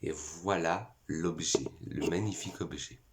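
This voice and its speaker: A French man presenting perfume bottles in a casual vlog, a little hoarse from a cold, eagerly listing scent notes one by one. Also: very deep voice, steady tone, a little slow, heavy background noise. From France. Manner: enthusiastic, lists notes one by one. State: has a cold, voice cracking. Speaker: perfume YouTuber.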